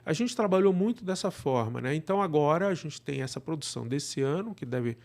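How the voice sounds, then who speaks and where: A Brazilian man speaking as an interview guest, explaining things casually and haltingly, often checking that he is followed. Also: a little high, animated, vocal fry, a little mellow. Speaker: podcast guest, radio drama producer.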